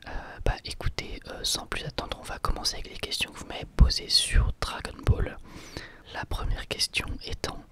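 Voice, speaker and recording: A man hosting a whispered ASMR video, calmly answering viewer questions in a thoughtful, explanatory way. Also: normal speed. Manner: soft-spoken, thoughtful and explanatory. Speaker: ASMR channel host.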